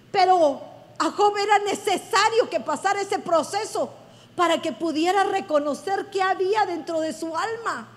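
A woman pastor giving an effusive, emphatic sermon. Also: very high voice. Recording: long hall reverb.

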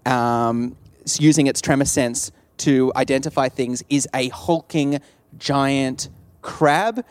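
A man's voice: medium pitch, slow, clear, resonant tone. A man narrating an improvised tabletop game as game master.

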